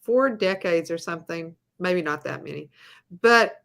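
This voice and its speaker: A woman's voice: fairly low pitch, measured pace, vocal fry, fairly bright tone. A middle-aged woman, a guest on a video call, telling stories in a rambling, casual way. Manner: rambling storyteller with many fillers and restarts. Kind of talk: casual interview chat.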